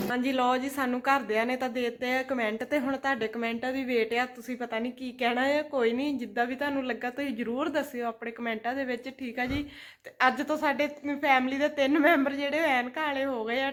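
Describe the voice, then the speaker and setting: Female family vlogger. High voice, dramatic and plaintive delivery, conversational. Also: a bit bright. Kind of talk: casual home vlog chat.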